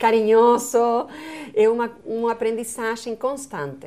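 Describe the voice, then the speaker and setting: With a Uruguayan accent, a woman speaks at a fairly slow pace in a fairly high voice with a dark, mellow tone. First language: Spanish (speaking Portuguese). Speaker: consul. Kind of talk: interview. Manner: halting.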